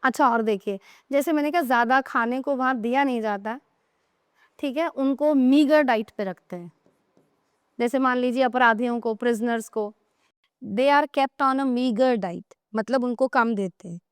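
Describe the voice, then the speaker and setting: A woman teaching English vocabulary in an explanatory way, often checking whether her students have understood and slowing down to read example sentences. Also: fairly high pitch, clean tone, no echo, clean studio sound. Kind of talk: online vocabulary lesson.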